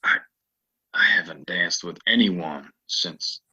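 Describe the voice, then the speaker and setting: A man playing a weary, guarded gunslinger stranger in a western audio play, halting in his delivery, with a husky low voice. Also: pushed and bright, exaggerated voice. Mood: shy, awkward. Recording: dull lo-fi home recording.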